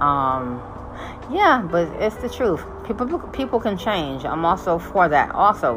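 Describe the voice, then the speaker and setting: Over noticeable background noise, a woman with an American accent speaks at a fairly slow pace, her pitch swinging very widely. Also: fairly low pitch for a woman. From US Northeast, Tri-State area. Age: 40s. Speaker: podcast host. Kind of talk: casual solo monologue. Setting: outdoors on a balcony.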